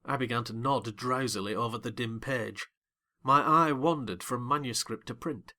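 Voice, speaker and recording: A man narrating as a genteel gentleman in measured, wry first-person storytelling. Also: mid-range voice, lightly acted. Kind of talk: dramatized audiobook narration.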